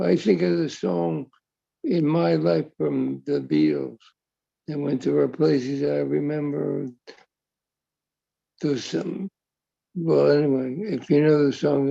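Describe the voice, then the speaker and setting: A man with a deeply gravelly, rough voice and a very dark, mellow tone speaks earnestly and repeats himself with spiritual phrasing. His voice is a touch higher than most men's. The audio sounds dull and lo-fi, like a call recording. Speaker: community member speaking on a call. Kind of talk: emotional heartfelt testimonial.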